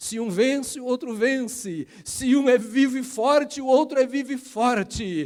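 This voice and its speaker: A man's extremely high voice at a fairly slow pace, over noticeable background noise. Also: ordinary pitch variation. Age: 60s. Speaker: pastor. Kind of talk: sermon. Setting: church.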